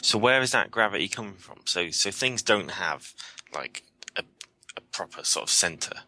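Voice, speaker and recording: A man's voice: sits low, expressive, normal speed, bright, forceful tone. A man speaking as a podcast guest in casual chat, curious and asking naive questions.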